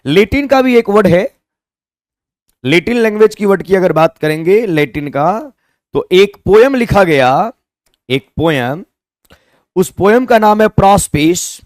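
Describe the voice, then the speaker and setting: A man with a high-pitched, animated voice and an Indian, Hindi-speaking accent teaches an online exam-prep English class, talking a little slowly and pausing often. He mixes Hindi and English, spells words out letter by letter, and asks viewers to comment their answers. The recording is dry and studio quality.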